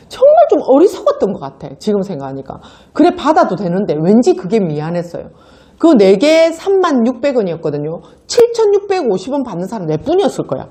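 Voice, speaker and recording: A woman's voice: a little high, dark tone. A middle-aged woman, giving a motivational seminar talk, telling stories animatedly and acting out quoted voices with frequent laughs. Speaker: sales seminar speaker.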